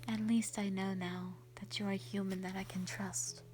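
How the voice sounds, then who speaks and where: A woman acting a gentle, shy white dragon in human form for a roleplay audio drama, soft, breathy and hesitant, with sweet earnestness. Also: medium pitch, flat delivery, normal speed, soft background music, close to an everyday voice. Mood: soft, wistful. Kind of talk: roleplay audio drama, intimate one-sided dialogue.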